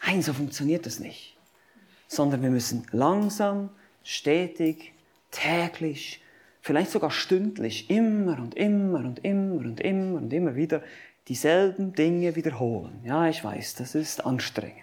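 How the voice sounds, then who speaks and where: Male preacher, animated pitch, emphatic sermon delivery with rhetorical questions and lists. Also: measured pace. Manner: addresses listeners directly.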